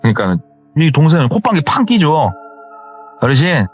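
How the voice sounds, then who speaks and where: A man narrating a true horror story as host, telling it in a lively way and acting out the people in it with raised voices. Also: medium pitch, fast talker. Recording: dull lo-fi sound with faint music.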